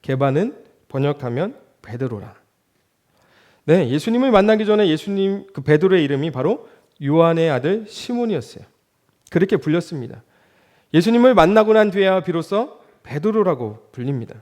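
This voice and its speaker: A man in his thirties preaches in a church, his voice sitting a little higher than most men's. He works as a junior pastor and keeps turning to the congregation with rhetorical questions. His loudness climbs for emphasis and falls back to a near murmur. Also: big pitch swings, moderate pace. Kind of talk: sermon.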